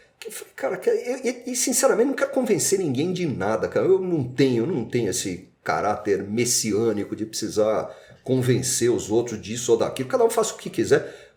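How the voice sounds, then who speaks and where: The talking moves at a fairly quick pace with hardly any pauses. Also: man. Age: 60s. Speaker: franchise consultant. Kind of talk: podcast interview. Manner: animated.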